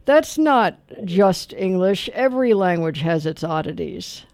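A woman hosting a radio show, chatting casually with a caller, opinionated and quick to laugh. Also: fairly low pitch, expressive, darkish tone, slight background noise.

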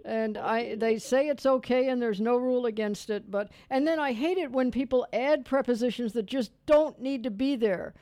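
A woman's voice: a little high, normal speed, few pauses, dark tone, no room sound. Chatty woman host, dry close mic. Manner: chatty, opinionated, friendly.

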